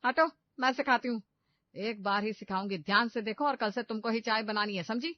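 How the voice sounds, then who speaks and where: A woman voicing a strict, shouting middle-aged mother-in-law who scolds loudly and sharply in a cartoon. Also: a little high, fairly even intonation, a little fast, no room sound, natural voice. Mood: scolding. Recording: dull lo-fi dry recording.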